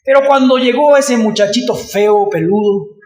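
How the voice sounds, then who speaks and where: High-voiced pastor preaching in an echoey church. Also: male voice, moderate pace, distant mic. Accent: Venezuelan Spanish. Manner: preaching with rhetorical questions to the congregation; acts out shouting voices in anecdotes. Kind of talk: sermon.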